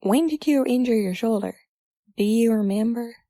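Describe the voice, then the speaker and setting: A woman's voice: a little high, moderate pace, warm tone, no room sound, clean studio sound, lightly acted. A woman playing a casual, stubbornly optimistic young woman in an audio drama, folksy and informal. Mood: concerned.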